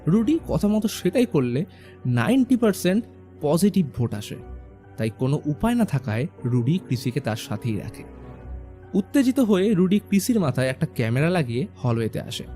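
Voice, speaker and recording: A man narrating a horror film recap in a hushed, suspenseful storytelling manner. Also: fairly high pitch, sing-song, normal speed. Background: faint background music.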